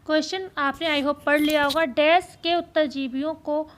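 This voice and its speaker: A woman teacher going through exam questions, speaking slowly and repeating key phrases so students can write them down. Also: high-pitched, steady tone, slight background noise. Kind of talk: exam-prep lesson.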